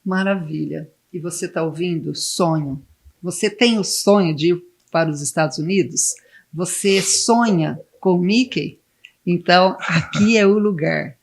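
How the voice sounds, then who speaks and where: A woman's voice: fairly low pitch, measured pace, gravelly. A woman with a Brazilian accent, interviewing conversationally as a podcast host.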